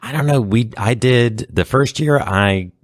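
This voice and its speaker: A man's voice: medium pitch, measured pace, no room sound, clean studio sound. A man in his thirties, an improv performer, chatting casually as a guest in a group interview.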